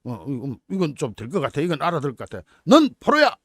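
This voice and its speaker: A man's voice: medium pitch, animated, racing, no echo. Man, channel host, mocking commentary, incredulous, dry close sound. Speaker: political YouTube channel host. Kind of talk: commentary on a news topic.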